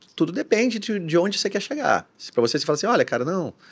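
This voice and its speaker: A man speaks with lively intonation. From Brazil. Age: 40s. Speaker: guitarist and music teacher; music teacher. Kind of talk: casual chat. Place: studio. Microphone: studio mic.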